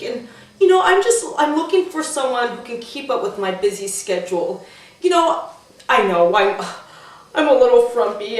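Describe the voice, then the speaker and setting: Woman as a flustered lady executive, very echoey. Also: on the high side. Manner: hesitant, awkward, rambling. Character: frumpy, flustered, self-important forty-two-year-old female CEO. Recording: echoey room, distant microphone.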